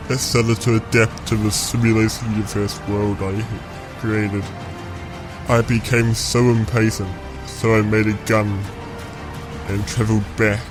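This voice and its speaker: A man playing a vengeful clone villain in an audio roleplay, telling his story in a deliberate, gloating, theatrical way. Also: lowish voice, close to an everyday voice. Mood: cold, vengeful. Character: vengeful male clone villain plotting to destroy a reality. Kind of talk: scripted audio roleplay monologue. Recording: music behind the voice.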